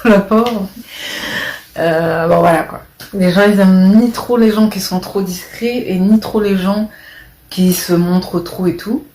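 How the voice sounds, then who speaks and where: A woman's voice: medium pitch, measured pace, slight background noise. Rambling woman in an echoey room. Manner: rambling, hesitant, trails off softly. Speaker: vlogger. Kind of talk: casual chat to camera.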